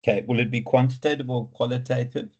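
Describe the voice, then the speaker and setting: A man's voice: medium pitch, steady tone, fast, mellow, husky, lo-fi sound. A man with a South African Afrikaans accent, advising students as a lecturer in an informal, teasing way, thinking aloud as he goes. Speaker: university lecturer advising students on research proposals. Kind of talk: informal online teaching consultation.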